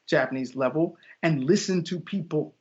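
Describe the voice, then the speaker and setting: A young guest teacher chats casually in an interview, his voice on the high side at a moderate pace. An animated storyteller, he acts out quoted voices and laughs along, though the audio is dull and lo-fi.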